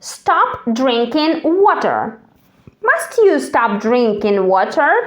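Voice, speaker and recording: Speaking very slowly with a Russian accent, the voice makes very wide pitch swings. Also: woman. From Kazakhstan. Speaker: English teacher. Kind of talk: tutorial. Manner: slow and repetitive drilling.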